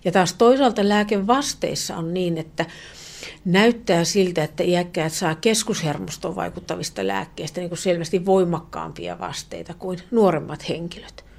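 A woman professor speaking as an expert guest on the radio, her voice a little low. She explains earnestly, restarting often and letting her sentences trail off softly. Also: vocal fry. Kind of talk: radio interview.

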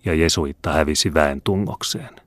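A man narrating a classic novel as an audiobook reader in a measured, even way. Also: very deep voice, dry recording, clean studio sound.

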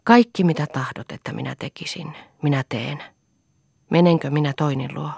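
A woman voicing a gentle female friend who speaks softly and soothingly, in an audiobook. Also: deep voice, creaky, slightly rough, dry recording, studio quality, exaggerated voice. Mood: consoling. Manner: soft, soothing.

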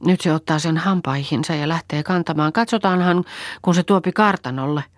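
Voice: medium pitch, no echo, clean studio sound, pitched above the performer's own voice, close to an everyday voice. A reader doing a pleading, anxious farm wife. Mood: weary. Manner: pleading, trembling voice. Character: anxious, pleading peasant woman. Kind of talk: audiobook character voice.

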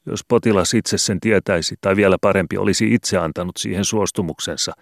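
A man voicing a solemn rural pastor who speaks in a measured, pious and admonishing way, in an audiobook reading. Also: low-pitched, steady tone, gravelly, no room sound, studio quality, voice pushed up. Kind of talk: audiobook character voice.

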